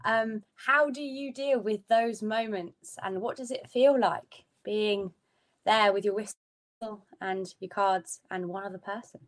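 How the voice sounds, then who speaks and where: A woman's voice: medium pitch, steady tone, unhurried. A woman asking questions casually as an interview co-host.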